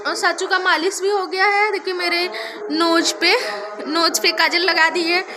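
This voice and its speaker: A woman's voice: very high-pitched, flat delivery, unhurried. A young woman chatting casually through a family vlog at home, explaining at length with lots of fillers. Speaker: family vlogger and mother. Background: music and prayer sounds nearby.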